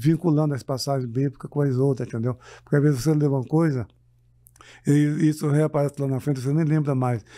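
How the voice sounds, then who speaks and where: At a very fast pace, a dark, mellow voice speaks with fairly even intonation on a very clean recording with a silent background. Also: man, fairly high pitch for a man. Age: 60s. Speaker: pastor and Bible scholar. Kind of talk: interview on religious program.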